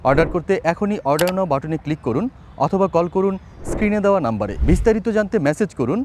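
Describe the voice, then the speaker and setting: A man's voice: high-pitched, expressive, fast, a little mellow, slight background noise. A man narrating a scripted product advertisement as a voice-over artist, in a persuasive announcer manner.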